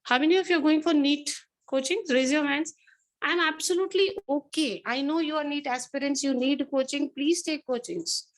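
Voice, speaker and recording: A woman with a South Asian accent and a slightly high voice speaks as a teacher to her class. She is earnest and maternal as she admonishes, often repeating her points and mixing Hindi phrases into her English. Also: moderate pace, rough recording. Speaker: biology teacher addressing an online or classroom class. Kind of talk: lecturing and counselling students.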